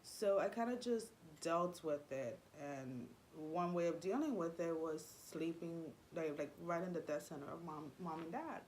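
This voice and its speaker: Young woman, spanish is her first language, talks low and loose, lots of ums and likes, bit of faint room hum behind her. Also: a little slow, hardly any pauses, darkish tone, poor audio. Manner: rambling, confiding, many fillers and restarts. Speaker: vlogger. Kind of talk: personal storytelling vlog.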